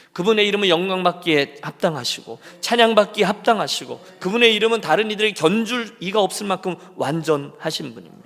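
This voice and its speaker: A man's voice: sits high, fairly bright tone. A male pastor preaching a sermon and asking his congregation questions as he talks. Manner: acts out quoted lines of people and God. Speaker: senior pastor. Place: church sanctuary. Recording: long church hall reverb.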